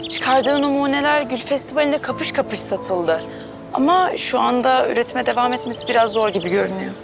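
A bright, high-voiced little sister. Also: female voice, fairly quick, vocal fry. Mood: chatty. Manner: earnest, excitable. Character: young woman, eager little sister who draws. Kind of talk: TV drama acting. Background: music.

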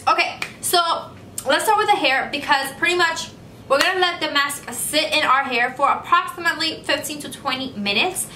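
High, bright giggly Puerto Rican woman. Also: moderate pace, slight background noise. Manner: playful, giggly, chatty with laughs between phrases. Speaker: beauty vlogger. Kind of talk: casual DIY tutorial. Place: bedroom beauty studio. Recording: echoey room with faint music.

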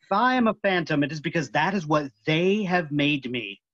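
A man playing a tormented, obsessive phantom in a staged reading, halting and dramatic, moving between hushed and loud. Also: on the high side, animated, no echo. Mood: anguished. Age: middle-aged. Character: tormented, obsessive masked phantom, possessive male lover. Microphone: computer mic on video call. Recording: muffled video call audio.

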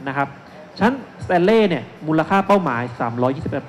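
Animated and a little fast, a fairly high-pitched man in his thirties presents at an investment seminar as a securities analyst and panel speaker. His handheld mic picks him up on an indoor shopping mall expo stage as he explains step by step with frequent polite particles. The recording has noisy live event sound.

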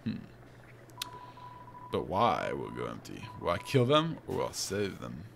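A man's voice: very deep voice, wildly swooping pitch, unhurried, gravelly, a bit bright, a little hiss or hum. A man giving casual commentary on a video game he is playing, with wry, sarcastic asides. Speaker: let's player narrating and reading game dialogue aloud. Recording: game music behind the voice. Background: video game music.

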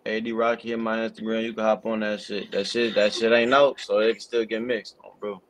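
A man's voice: fairly low pitch, flat delivery, fairly quick. A man in casual livestream chat as a guest rapper.

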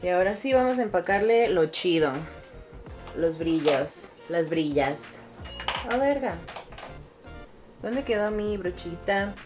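A woman's voice: on the low side, lively intonation, slow pace, pauses often, over music. Chatty self-mocking Mexican woman. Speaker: beauty vlogger. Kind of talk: casual makeup tutorial chat.

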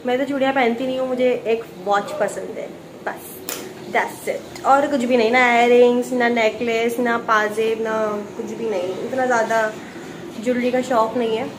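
A young adult woman with a fairly high, steady voice speaks at a moderate pace in a casual home vlog. Chatty and playful, she talks to her pets and family indoors and on the rooftop, in a noisy phone recording.

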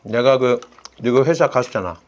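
A woman's voice: extremely low pitch, lively intonation, normal speed, darkish tone, highs cut off, slight background noise. A woman with a Gyeongsang accent, hosting a casual chat, teasing and laughing often.

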